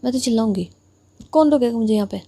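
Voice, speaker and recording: A woman voicing a hot-tempered young woman who stammers when frightened and shouts when she quarrels. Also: a little high, brisk, breathy edge. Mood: scolding.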